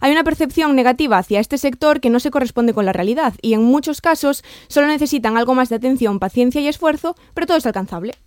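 A woman reporter reads a news package briskly in a fairly high voice. Her delivery is polished and scripted. The sound is dry and close to the mic. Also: lively intonation, darkish tone, dry recording.

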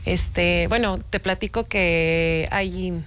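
A woman, an interview guest, explaining and telling stories from her childhood in a warm conversational way. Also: on the low side, steady tone, slow, slight background noise. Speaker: sign language interpreter guest.

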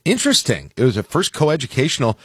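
An American man hosting a morning radio show with casual, joking banter and halting self-corrections, close on a studio microphone. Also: medium pitch, wildly swooping pitch, slightly rough, dry recording.

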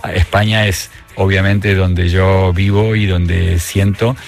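A man with an Argentine accent, a guest on a radio show, talking in a reflective, measured way with frequent pauses and restarts. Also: low voice, little pitch movement, gravelly, soft background music. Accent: Argentine Spanish. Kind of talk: relaxed radio conversation.

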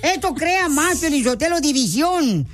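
A man's voice: very high voice, lively intonation, normal speed, fairly bright tone, faint music behind. A man hosting a comedy radio show, teasing and mock-insulting his co-hosts in boisterous banter.

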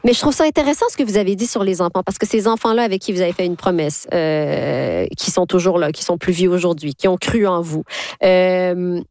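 A woman interviewing a guest in a measured way, helping her find the right words. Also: fairly low pitch, a little mellow, no room sound. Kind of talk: interview questions.

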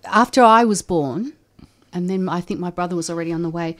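An older woman from Australia who grew up speaking a German dialect at home, recalling her childhood in an oral history interview, pausing often with ums and restarts. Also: on the low side. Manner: reflective, hesitant, with many ums and restarts.

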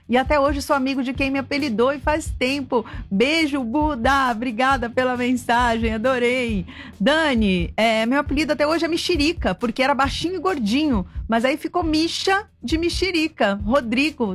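A Brazilian woman hosting a radio show, chatting casually and reading out listener messages in an amused, informal way. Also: sits high. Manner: amused, laughs often, informal. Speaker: radio host. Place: radio studio. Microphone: broadcast studio microphone. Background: music.

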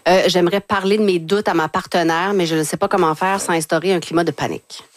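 A Québécois woman hosting a radio advice show, briskly reading listener emails aloud in a studio. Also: fairly low pitch, steady tone, dry recording. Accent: Québécois French. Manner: brisk, upbeat, reads letters aloud. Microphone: studio microphone.

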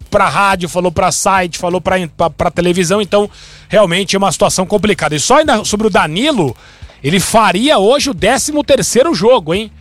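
A man, hosting a sports talk show in a chatty, animated way, with frequent restarts. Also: sits high, no echo.

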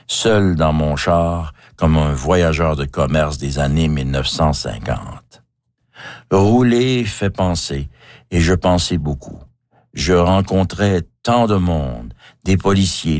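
Wry older Québécois man, deep voice. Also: darkish tone, no room sound, studio quality. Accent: Québécois French. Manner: wry, measured, self-mocking. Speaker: author narrating his own life. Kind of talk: scripted memoir narration.

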